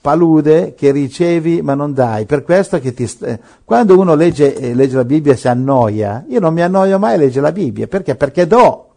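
Gravelly, mellow-voiced male preacher. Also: on the high side, normal speed, hardly any pauses. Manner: animated, joking, with rhetorical questions. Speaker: pastor. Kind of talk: preaching on a radio program.

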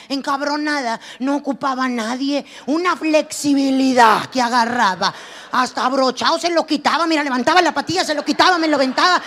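A woman's voice: sits high, a bit bright. A middle-aged woman from northern Mexico with a northern Mexican accent, doing a brash, salty stand-up monologue and acting out scolding mothers. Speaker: stand-up comedian.

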